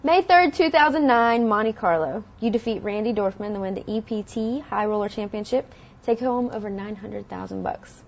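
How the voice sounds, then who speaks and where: A woman interviewing a guest, asking brisk questions and prompting with short acknowledgements. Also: medium pitch, vocal fry. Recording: dull lo-fi sound.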